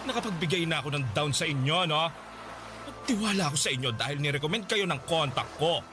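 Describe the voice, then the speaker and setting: An actor playing a flamboyant, impatient gay man who teases and pushes, with drawn-out hums. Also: on the high side, animated, music in the background, natural voice. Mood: angry, threatening. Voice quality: teasing, theatrical, drawn-out hums. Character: flamboyant gay male client, pushy, impatient. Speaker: voice actor in radio drama.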